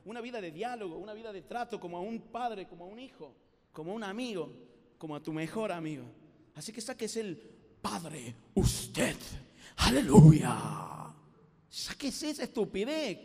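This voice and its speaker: A man with a Rioplatense Spanish accent preaching a lively youth sermon, telling stories and acting out the voices in them. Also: high voice, fast talker. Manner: animated storytelling with acted-out voices. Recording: live sermon with long hall reverb.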